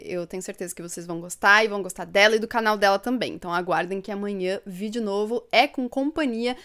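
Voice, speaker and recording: In a home room with bookshelves, a young book channel host from São Paulo state, Brazil, chats live with her viewers, a desk microphone placed in front of her. She has a smooth, clear, mid-pitched voice that's a bit bright, and she keeps things chatty and upbeat, often laughing and reading viewer comments out loud.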